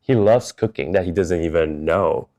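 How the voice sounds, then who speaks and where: A man's voice: low voice, moderate pace, mellow. A man from Taiwan who moved to Chicago, talking candidly and conversationally as an interview guest.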